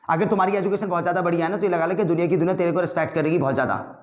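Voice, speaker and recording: Male teacher doing stern elder lecturing a youngster, quick angry delivery, echoey room. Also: sits high, natural voice. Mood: scolding, insistent. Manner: angry, rapid arguing. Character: older man lecturing on education, stern and insistent.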